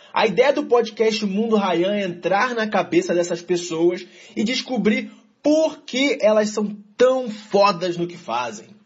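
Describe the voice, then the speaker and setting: Against noticeable background noise, a man with a high pitch speaks at a fairly slow pace with lively intonation. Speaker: podcast host. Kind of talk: podcast intro.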